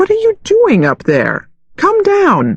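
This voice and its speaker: Someone puts on a squeaky character voice at an extremely high pitch. The pace is fairly slow. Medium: read story. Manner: earnest, firm.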